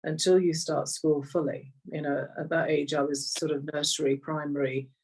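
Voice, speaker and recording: A woman's voice: sits low, little pitch movement, moderate pace, darkish tone, slightly rough, distant mic, poor audio. A middle-aged woman with an English accent tells personal stories conversationally, reflective and repeating phrases for emphasis. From Kenya, later rural England. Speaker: interview guest, executive coach.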